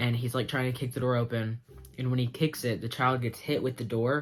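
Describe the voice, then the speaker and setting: Music plays in the background as a man speaks at a medium pitch. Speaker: movie reviewer. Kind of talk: casual movie review chat. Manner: rambling filler-heavy, casual; fast.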